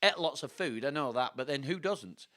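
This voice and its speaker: Man doing a laddish, roguish king, bright voice. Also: medium pitch, lively intonation, moderate pace, natural voice. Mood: sheepish, boastful. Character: laddish, roguish, greedy King Edward the fourth.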